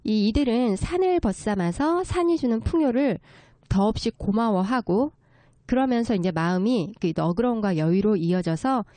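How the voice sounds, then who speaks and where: A woman's voice: a little high, lively intonation, moderate pace, mellow, no room sound. A woman speaking as a guest expert, explaining local folk culture politely and step by step. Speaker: guest expert, children's story writer.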